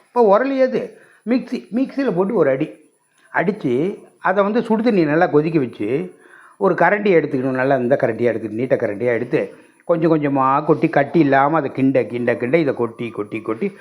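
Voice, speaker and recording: This man's voice sits at a fairly high pitch. It rises and falls very widely. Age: 60s. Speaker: YouTuber sharing memories. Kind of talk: casual storytelling monologue.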